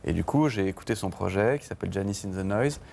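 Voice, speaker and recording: A low-voiced man with a gravelly edge tells his story slowly in a TV interview, hedging with many fillers and restarts. A faint hiss of background noise sits under the voice. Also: a little mellow. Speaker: band songwriter, interview guest. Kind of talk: casual interview talk. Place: TV studio.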